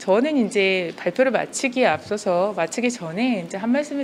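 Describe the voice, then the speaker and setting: With lively intonation, a woman speaks at a moderate pace against noticeable background noise. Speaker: transport policy researcher. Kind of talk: conference presentation. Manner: halting.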